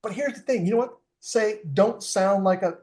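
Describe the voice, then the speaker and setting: A man's voice: high voice, moderate pace, a little mellow. A middle-aged man, a guest in a casual podcast interview, explaining tools step by step with enthusiasm. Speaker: fitness technology expert guest.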